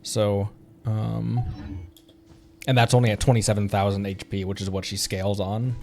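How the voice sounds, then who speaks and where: A man's voice: fairly low pitch, little pitch movement, normal speed, vocal fry, darkish tone, soft background music. A man chatting casually as he hosts a gaming livestream, rambling in loose asides. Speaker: streamer and channel host.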